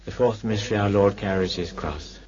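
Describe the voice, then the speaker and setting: A man reciting devotional prayer as a priest leading the rosary, in a measured monotone. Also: on the low side, a loud crowd. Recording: muffled, echoey distant recording, congregation responding.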